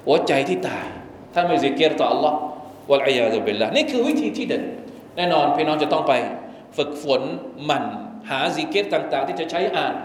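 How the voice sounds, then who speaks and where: A man's voice: on the high side, animated, moderate pace, slight background noise. A man preaching a Friday sermon in a mosque, moving between chanted recitation and emphatic spoken teaching. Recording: very echoey mosque hall, faint ambience.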